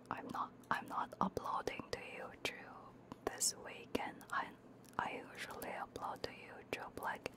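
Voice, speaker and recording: A woman doing casual ASMR livestream chat in a soft, playful manner, right up close on a binaural ear microphone. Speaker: ASMR streamer.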